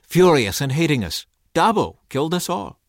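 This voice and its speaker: A man's voice: a little high, very animated, normal speed, dry recording, studio quality, pitched above the performer's own voice. A man voicing a feisty older tribal grandmother who speaks bluntly and matter-of-factly.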